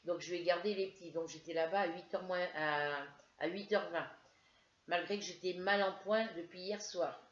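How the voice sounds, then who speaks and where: A woman's voice: on the low side, normal speed. A woman from France telling a casual, rambling story to her viewers with many hesitations while feeling ill with a headache. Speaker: crafts vlogger. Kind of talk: casual chat to camera. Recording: roomy, dull lo-fi home recording.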